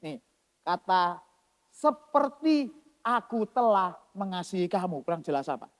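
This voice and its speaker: A man preaching a sermon as pastor, swinging between loud emphasis and soft asides. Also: high-pitched, very animated, measured pace. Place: church hall. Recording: long church-hall reverb.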